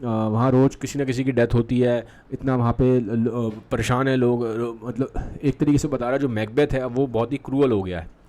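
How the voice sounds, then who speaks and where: A man's voice: medium pitch, steady tone, dark tone. A male literature teacher explaining a play in a Hindi and English mix, checking in often with the class. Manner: reads quoted lines slowly with fillers, frequent "theek hai".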